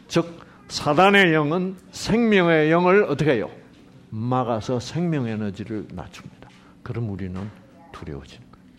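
A middle-aged man preaches in a lively, swooping voice that sits a touch high for a man. He keeps throwing questions at his listeners and answering them himself. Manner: animated, asks the congregation rhetorical questions. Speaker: pastor. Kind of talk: sermon.

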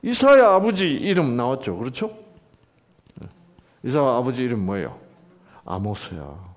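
A man's voice: mid-range voice, sing-song, unhurried. A man preaching a sermon, asking the congregation questions and acting out quoted lines in shifting voices. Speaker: pastor.

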